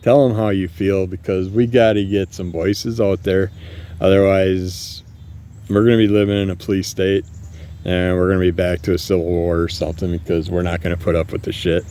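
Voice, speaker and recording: A man's voice: sits low, flat delivery, moderate pace, warm tone. A man hosting a solo podcast, ranting bluntly and angrily with plenty of swearing, recorded outside at night. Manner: angry, blunt and profane. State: living with multiple sclerosis. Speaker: podcast host. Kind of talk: casual solo rant. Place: outdoors at night. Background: distant fireworks and passing vehicles.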